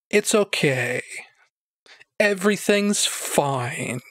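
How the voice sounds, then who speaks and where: A man chatting through a solo podcast in a slightly higher register than most men, rambling with plenty of ums and likes. His throat sounds phlegmy and a little nasal. The recording is close and dry, with no room sound. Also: no echo. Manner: rambling, filler-heavy, self-deprecating joking. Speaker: podcast host. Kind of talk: casual solo podcast chat.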